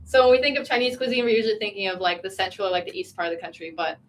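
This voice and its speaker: A woman's voice: medium pitch, racing, a little hiss or hum. A young woman from Virginia hosting a casual livestream from a small tea room, chatty and giggly as she reads viewer comments aloud. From Virginia, USA.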